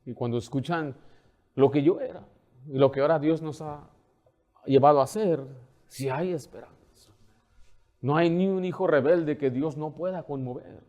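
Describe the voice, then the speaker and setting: A male pastor preaching a sermon. He asks questions and answers them himself, slows down to read scripture, and moves between soft asides and loud, urgent appeals. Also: on the high side. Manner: swings from soft asides to loud, pressing exhortation.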